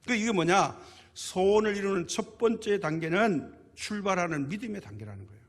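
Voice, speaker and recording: Male pastor, sermon delivery, rhetorical questions, slightly high and breathy, long church reverb. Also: lively intonation, a little fast. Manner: emphatic, asks rhetorical questions and answers them. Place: church sanctuary.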